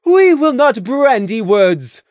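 A stern royal mare who speaks in thee and thou, pitched high and loud, as a reader puts her on. Her speech swings widely in tone, imperious and commanding. The recording is dry and close. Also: expressive, a little slow, no echo. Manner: archaic formal speech, commanding. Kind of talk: audiobook reading of fan fiction.

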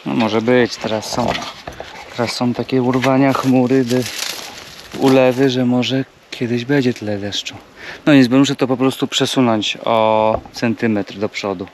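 A man's voice: medium pitch, background noise. A man vlogging casually outdoors on a rural plot, thinking aloud with fillers and talking to his viewers. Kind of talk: casual vlog commentary.

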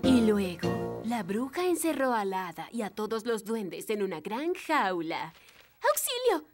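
A woman playing a fairy mother with a Latin American accent, narrating a children's story dramatically and deliberately in a cartoon dub. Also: mid-range voice, very animated, loud music behind the voice. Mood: dramatic.

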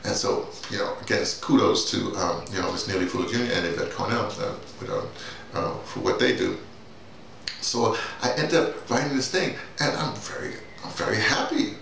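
Older man, very echoey distant mic, low pitch, halting casual monologue, digressive. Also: vocal fry, fairly bright tone. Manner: halting, repeats words, digressive. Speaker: playwright and audio drama teacher. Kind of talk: casual rambling monologue to camera. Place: small bare-walled room indoors. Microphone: camera mic a few feet away. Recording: very echoey room, distant mic, faint hiss.

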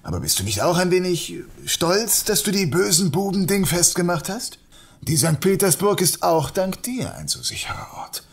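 A man's voice: high-pitched, animated, normal speed, breathy edge, exaggerated voice. An actor playing an idealistic young male police inspector, speaking earnestly and insistently in a German audio drama. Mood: indignant, earnest. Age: young adult.

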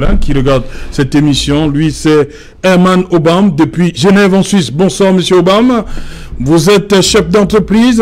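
A man's voice: on the high side, a little mellow. A young man hosting a studio talk show, asking probing questions with frequent restarts. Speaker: TV debate host.

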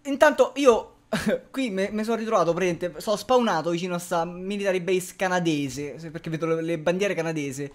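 A man's voice: high-pitched, a little fast, hardly any pauses. A man commenting casually on a survival game, laughing often and cursing at zombies. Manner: swears a lot, laughs often, yells at the game. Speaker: gameplay commentator. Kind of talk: casual let's-play commentary.

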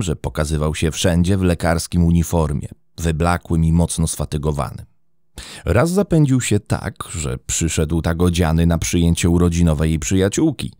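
A man with a very low, dark voice narrates a scripted true-crime story. His delivery is dramatic, with wide pitch swings. He is close on a studio mic, and the room sound is dry. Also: no room sound.

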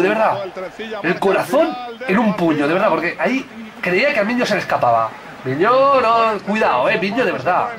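Hombre joven comentando su partida, muy animado. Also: male voice, high-pitched. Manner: excitable, shouts at goals and near misses. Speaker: gaming youtuber. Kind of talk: excited gameplay commentary.

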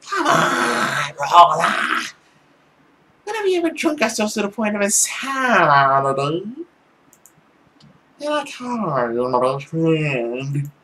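A man voicing a tipsy, emotional young woman in a visual novel, with a slurred, drawn-out delivery. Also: a little high, wildly swooping pitch, sharp tone, a little hiss or hum, exaggerated voice. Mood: drunk, playful.

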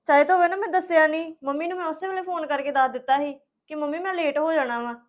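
A woman's voice: sits high, quick pace, close to an everyday voice. An actress playing a young college student defending herself to her family. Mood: defensive. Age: young adult. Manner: defensive, explaining, hurt.

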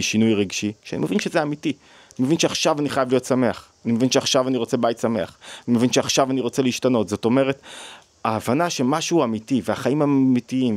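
A man's voice: mid-range voice, a little mellow, no room sound. A man giving a thoughtful teaching talk on psychology, often asking questions and restarting sentences. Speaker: psychology lecturer on the weekly Torah portion.

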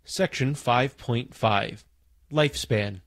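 A man reading an encyclopedia article aloud in a steady, even manner. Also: medium pitch, takes it slowly, dry recording. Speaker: volunteer article reader.

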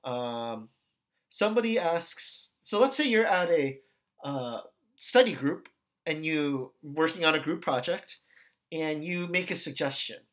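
A man gives an ethics lesson in a recorded lecture video, speaking at a measured pace in a relaxed, conversational style and often checking in with "okay" and "right". His pitch swings widely and expressively, shifting into different tones as he acts out the questions he quotes.

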